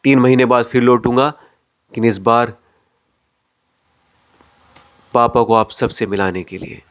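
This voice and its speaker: A man acting out a factory owner's son who solemnly and confidently addresses his employees in slow, deliberate phrases, as in a film drama. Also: mid-range voice, fairly even intonation, clear, resonant tone, lightly acted. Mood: determined. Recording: dull lo-fi audio.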